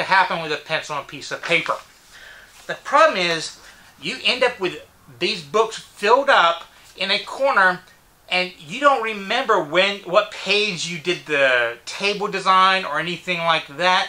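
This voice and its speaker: A man talks at a moderate pace in a raised, projected voice. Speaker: woodworking content creator. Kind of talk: casual vlog chat. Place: workshop.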